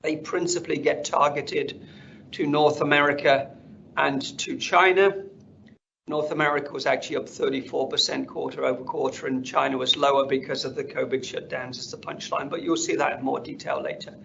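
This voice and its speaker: A man presenting company results on an earnings call in a measured, businesslike manner. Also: steady tone, vocal fry, fairly bright tone. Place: conference call. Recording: dull, noisy conference line with rumble.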